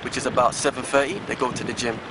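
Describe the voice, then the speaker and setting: A man's voice: mid-range voice, fairly even intonation, fast talker. A young man, a student, casually explaining a daily routine to viewers in an advisory tone with frequent "you know," outdoors. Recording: outdoor traffic noise.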